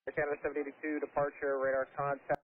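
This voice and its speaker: A man's voice: fairly high pitch, monotone, slow. A man working as an air traffic controller, giving a procedural reply over aircraft radio. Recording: thin narrow-band air traffic radio.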